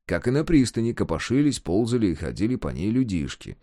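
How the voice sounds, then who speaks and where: A man's voice: lowish voice, very animated, fairly quick, mellow, no echo, clean studio sound. A man reading a story aloud as narrator, telling it expressively. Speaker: audiobook reader. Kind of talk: scripted narration.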